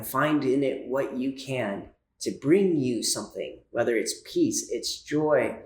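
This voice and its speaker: A man who is a radio host guest on a podcast, telling a personal story in a gentle, unhurried way. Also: medium pitch. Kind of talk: casual podcast conversation, storytelling. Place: podcast recording room. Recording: echoey room.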